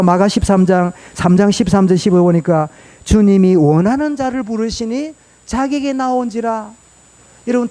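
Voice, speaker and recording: A man's voice: high voice, dark tone. A male pastor preaching a sermon in church, firing rhetorical questions at the congregation. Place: church sanctuary.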